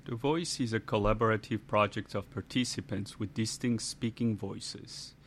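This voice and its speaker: A man reads a scripted narration in a measured, explanatory manner. His voice sits low and barely rises or falls. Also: fairly even intonation, a bit bright, a little hiss or hum.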